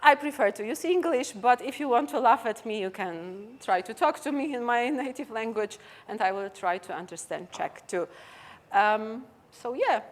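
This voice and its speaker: A woman with a Polish accent, a native Polish speaker, giving a conference talk and answering questions in an animated, conversational way. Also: on the high side. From Poland. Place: conference stage.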